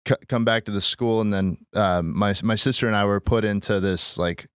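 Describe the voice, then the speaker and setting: A man's voice: fairly low pitch, steady tone, normal speed, clear, resonant tone, no room sound. An American man in his twenties, born in Estonia, telling his story casually as a podcast guest on a close microphone. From born in Estonia, raised in the US Pacific Northwest from age six. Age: 20s.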